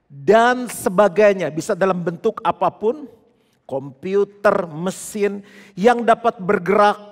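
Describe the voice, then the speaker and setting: Pastor guy preaching, kinda high voice, echoey church hall. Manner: conversational, animated preaching with playful impressions. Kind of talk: sermon. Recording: long church hall reverb.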